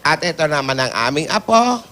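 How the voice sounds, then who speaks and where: A man's voice: on the high side, very animated, a little fast, sharp tone. A man playing a fussy elderly grandmother presiding over a household in a live comedy sketch, theatrical and exclamatory. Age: older.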